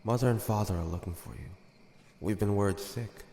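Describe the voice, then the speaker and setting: Audio drama: male actor as gentle demon older brother, guardian type. Mellow, gravelly, soothing, drenched in reverb. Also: fairly low pitch, normal speed, close to an everyday voice. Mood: fond, teasing. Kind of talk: dramatic audio roleplay acting. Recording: echoey, long reverb, faint noise.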